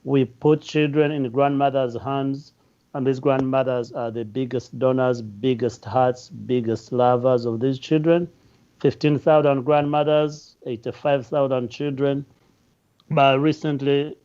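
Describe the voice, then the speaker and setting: Man, Ugandan accent, smooth resonant voice, earnest panel talk, dull lo-fi sound. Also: mid-range voice, warm tone. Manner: earnest, jokes with fellow panelists. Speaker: nonprofit founder, panelist. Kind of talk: panel introduction. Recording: muffled lo-fi audio.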